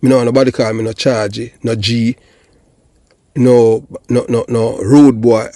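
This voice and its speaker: A Jamaican man in his fifties hosting a casual conversation. His mid-pitched voice comes through dry and close. He repeats himself for emphasis and keeps checking that he is understood. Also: steady tone, a little slow, dark tone, no room sound. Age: 50s. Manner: repetitive, emphatic, asks for confirmation. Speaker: online show host. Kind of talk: casual phone conversation and commentary.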